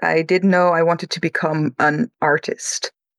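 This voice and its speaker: The speaker talks at a fairly slow pace with a Dutch accent. The sound is dry and close, with no echo. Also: woman. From Netherlands, small village. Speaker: comic artist. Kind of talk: interview.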